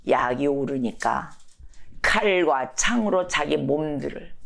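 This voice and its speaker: A woman pastor delivers a Sunday sermon as animated storytelling. Her pitch rises and falls widely. She keeps turning to the congregation with questions. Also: slow, vocal fry.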